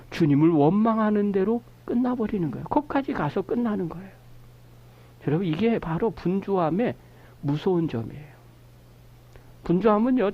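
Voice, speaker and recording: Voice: mid-range voice, lo-fi sound. A pastor preaching a Sunday sermon in a church, explaining scripture and questioning the congregation. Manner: explains a scripture word's meaning slowly. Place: church sanctuary.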